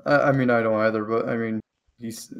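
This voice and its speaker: A man's voice: medium pitch, fairly even intonation, brisk, vocal fry, clear, resonant tone, lo-fi sound. American man in casual banter. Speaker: co-player on a gaming stream.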